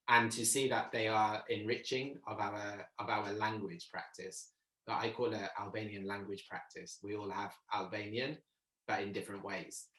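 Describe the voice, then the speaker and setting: Young man, low voice, reflective, roomy video call sound. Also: sharp tone. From Italy, Arbëresh community. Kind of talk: casual video call discussion. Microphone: laptop mic on video call. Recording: echoey room on video call.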